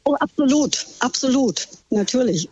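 A woman's voice: high voice, animated, moderate pace, a little mellow, breathy edge, no room sound. A woman tour guide from Germany, calling in from a ship and talking in a friendly way with many fillers. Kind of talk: phone interview. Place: on a ship at sea. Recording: dull phone line.

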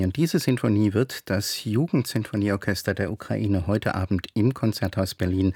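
A man hosting a radio program, announcing music and interviewing a guest in a measured, clear presenter manner. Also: lowish voice, darkish tone, no room sound, studio quality. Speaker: radio host. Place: radio studio.

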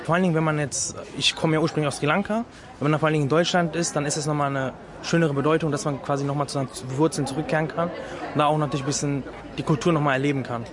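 A man in his twenties from Germany, interviewed casually at a temple festival, talking quickly with many fillers. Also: fairly high pitch, steady tone. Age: 20s. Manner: quick, filler-heavy talk. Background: crowd chatter.

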